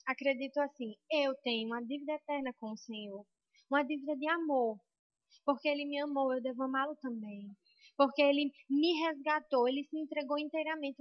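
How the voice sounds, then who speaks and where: A woman's voice: high-pitched, dry recording, highs cut off. A young Brazilian woman preaching a sermon in a church with a Brazilian Portuguese accent, impassioned and building to emphatic peaks.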